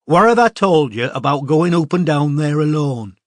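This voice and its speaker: A woman's voice: low-pitched, expressive, moderate pace, dry recording, studio quality, pitched above the performer's own voice. A man voicing a young woman scolding a toddler.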